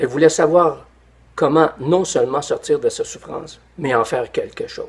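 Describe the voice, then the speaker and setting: With a Quebec accent, a man talks at a moderate pace. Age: 60s. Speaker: testimonial giver. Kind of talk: testimony, reading aloud. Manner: reading from a written text.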